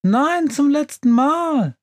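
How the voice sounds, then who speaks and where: A narrator voicing a young, rude storybook witch who snaps at everyone, in a high, sharp voice. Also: lively intonation, takes it slowly. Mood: snappish. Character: young grumpy rude witch, crying inside. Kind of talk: storybook reading.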